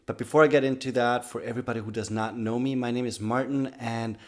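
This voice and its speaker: A man with a slightly raspy voice from being sick, talking to camera in an earnest, loose way about personal growth. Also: medium pitch, fairly even intonation, quick pace. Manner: earnest, loose sentences with many restarts and "like". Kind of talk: casual talk to camera.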